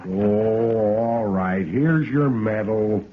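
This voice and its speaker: An actor playing a sly, teasing army sergeant in a 1950s radio drama. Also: male voice, on the low side, drawn-out words. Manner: teasing, slick. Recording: dull old radio broadcast recording.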